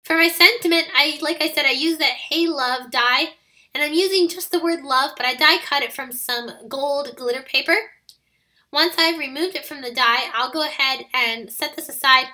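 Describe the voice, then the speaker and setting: A woman with a high, bright voice that is still raspy and scratchy from a recent illness. She talks through a card-making project step by step in a friendly voiceover. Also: normal speed. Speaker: card-making video host. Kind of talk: voiceover craft tutorial.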